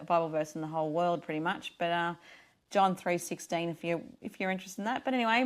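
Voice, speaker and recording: Tired woman radio host, losing her voice. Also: lowish voice. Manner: earnest, rambling, frequent restarts. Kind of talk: casual devotional radio talk.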